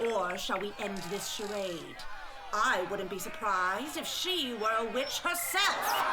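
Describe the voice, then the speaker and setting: A woman's voice: fairly high pitch, very noisy, natural voice. A woman playing a villainous older village elder and secret witch in an audio drama, speaking in formal, theatrical, menacing oratory. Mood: rousing.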